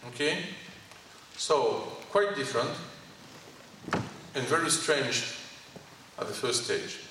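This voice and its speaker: A man with a Greek French accent giving a lecture to an audience in a college hall, speaking in short halting phrases and asking the audience questions. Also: mid-range voice, lively intonation, pushed and bright. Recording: echoey hall from far off, faint noise.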